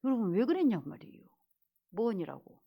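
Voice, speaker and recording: Woman pastor, lively swooping voice, scolding, loud then whispering. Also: mid-range voice, a little fast, creaky, breathy edge, highs cut off. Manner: animated and scolding, swinging between loud exclamations and whispered asides. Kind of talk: sermon.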